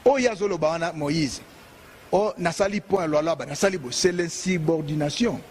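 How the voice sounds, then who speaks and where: A man's voice: fairly high pitch, moderate pace, a little mellow, a little hiss or hum. A man with a Congolese accent, a bishop giving a heated, emphatic, repetitive political monologue.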